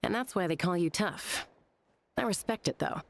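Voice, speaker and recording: A woman voicing a calm, self-assured warrior scout in a game. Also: on the low side, moderate pace. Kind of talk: game voice acting.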